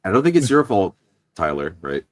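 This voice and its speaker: A man's voice: low-pitched, sing-song, moderate pace, no room sound. A man who plays tabletop games, talking casually in a group discussion. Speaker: tabletop game player.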